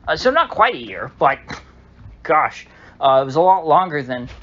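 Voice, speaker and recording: A man's voice: fairly high pitch, sing-song, normal speed, fairly bright tone. A man giving casual solo commentary, rambling and hesitant, full of fillers and restarts. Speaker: political commentator. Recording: dull lo-fi audio with faint hiss.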